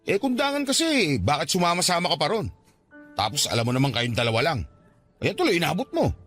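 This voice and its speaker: A man's voice: fairly high pitch, big pitch swings, fast, fairly bright tone, soft background music. An actor playing a dismissive middle-aged policeman in a Tagalog radio drama, lecturing in a patronizing, colloquial way. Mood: defensive lecturing.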